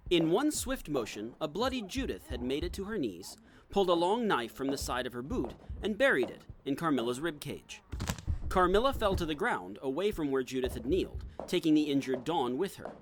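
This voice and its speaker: A man's voice: a little high, very animated, fairly quick, a little hiss or hum. A man reading scripted, dramatic narration as the narrator of an audio drama.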